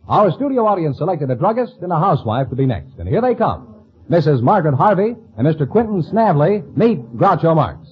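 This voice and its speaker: A man's voice: fairly high pitch, big pitch swings, a little fast, lo-fi sound. Thin-sounding old-time American radio announcer man. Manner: polished, formal sales delivery. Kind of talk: mid-century American radio announcing and ad reading.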